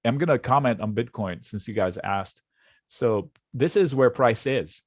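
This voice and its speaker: A man's voice: medium pitch, no echo, studio quality. A man from Lebanon, chatting casually as an options trading educator walking through charts on a live stream. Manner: chatty, excitable, quick asides.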